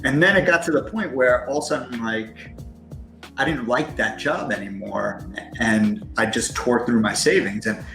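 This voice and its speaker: A man in his early forties, a guest in a casual interview, talking fast and filling his speech with "like" and "you know". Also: medium pitch, creaky, fairly bright tone, roomy sound, faint music behind, poor audio. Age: 40s.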